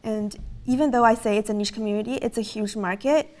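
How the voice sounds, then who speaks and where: A woman's voice: fairly high pitch, steady tone, fairly quick, a little mellow. A woman in her twenties, raised in Canada, earnestly explaining her business in a casual interview, with frequent fillers. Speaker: startup co-founder, guest.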